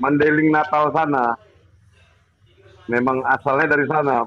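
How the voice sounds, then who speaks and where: Noticeable background noise sits behind a man's voice. His pitch is fairly high and his pace moderate. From Medan, North Sumatra. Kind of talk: panel discussion.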